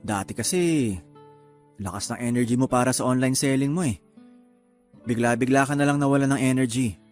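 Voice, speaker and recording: A man's voice: mid-range voice, a little fast, darkish tone, lightly acted. Man acting as eager young dad, probing fiancé, mid-range voice, radio drama, faint music behind. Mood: concerned, questioning. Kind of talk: Tagalog radio drama dialogue.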